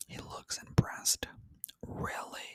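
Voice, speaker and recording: Someone whispers at a fairly slow pace. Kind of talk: audiobook reading. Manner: whispered.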